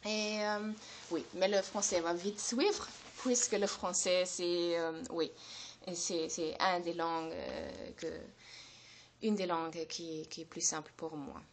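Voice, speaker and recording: A woman's voice: lowish voice, fairly even intonation, slow, slight background noise. A woman whose first language is German, hosting a language-learning channel and explaining in French, hesitant and full of fillers and restarts. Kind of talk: unscripted explanation to camera.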